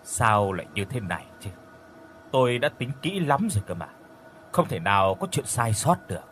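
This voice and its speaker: A man's voice: fairly low pitch, sing-song, moderate pace, a bit bright, slight background noise. A man voicing a stern, solemn old village sorcerer who speaks firmly in a spoken ghost story. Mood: grave, firm. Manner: solemn, firm. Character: stern elderly male village sorcerer, grave.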